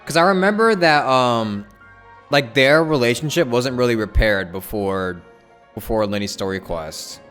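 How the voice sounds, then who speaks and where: A man's voice: medium pitch, animated, measured pace, a bit bright. A man giving casual live commentary on a game as a streamer, with blunt, slangy reactions. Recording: faint game music behind. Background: faint game music.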